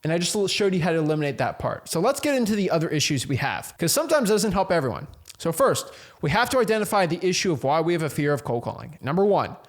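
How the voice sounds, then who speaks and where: A young man coaching real estate wholesalers in an energetic, casual motivational talk, repeating himself and using plenty of slang. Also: fairly high pitch.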